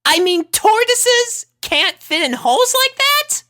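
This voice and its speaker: A performer voicing a small, earnest female unicorn filly in a storybook reading, with a childlike, excitable manner. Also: very high-pitched, takes it slowly, voice pushed up, exaggerated voice. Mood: earnest, correcting. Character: squeaky, earnest little filly unicorn, younger sister.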